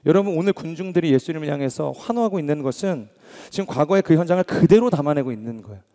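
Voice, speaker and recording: Guy preaching a sermon, kinda high mellow voice, gets loud then goes real soft, lots of hall echo. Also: lively intonation, fast talker. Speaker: pastor. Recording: long hall reverb.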